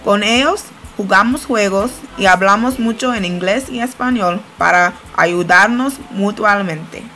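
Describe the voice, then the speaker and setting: A woman's voice: medium pitch, a little slow, bright, forceful tone. Young woman reading a study-abroad voice-over. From United States. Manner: plain, careful learner's delivery. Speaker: student narrating a study-abroad video. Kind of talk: read-aloud voice-over narration.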